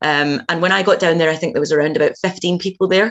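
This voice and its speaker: A woman with a Glaswegian accent and a very deep, low pitch, at a fairly quick pace with ordinary pitch variation. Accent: Glaswegian Scottish. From Scotland, Glasgow. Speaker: anti-racism campaigner. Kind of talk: talk to an online meeting. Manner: hesitant, many fillers.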